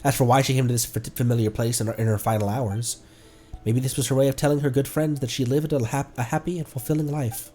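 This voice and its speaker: A man voicing an earnest, pedantic academic who lectures in a halting way. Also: mid-range voice, fairly even intonation, mellow, soft background music, natural voice. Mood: earnest, lecturing. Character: earnest, pedantic young academic of marine bones.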